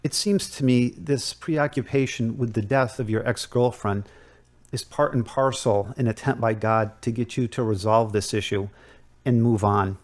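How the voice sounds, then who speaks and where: A man acting a calm, measured counseling Catholic priest in an audio drama. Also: mid-range voice, close to an everyday voice. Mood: calm, advisory.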